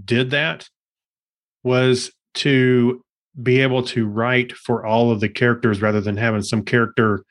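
A man's voice: mid-range voice, a little slow. Easygoing man in a film chat. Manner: relaxed, easygoing, thinks aloud with fillers. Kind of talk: casual film discussion.

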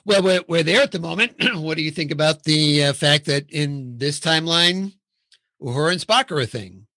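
A man's voice: on the high side, normal speed, bright, forceful tone, dry recording, studio quality. A man hosting a casual film discussion, steering the talk and thinking aloud with restarts.

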